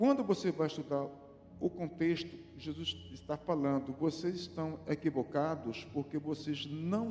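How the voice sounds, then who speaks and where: Talking with an unremarkable speaking voice, a man holds a fairly high pitch and varies it in an ordinary way. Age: 60s. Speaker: pastor. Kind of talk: sermon.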